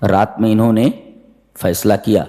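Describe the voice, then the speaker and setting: A man giving a sermon that explains the Quran, telling the story with lively, theatrical delivery. He jumps into high-pitched voices when acting out characters and chants the Arabic verses slowly. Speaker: Quran commentary preacher. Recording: hall reverb.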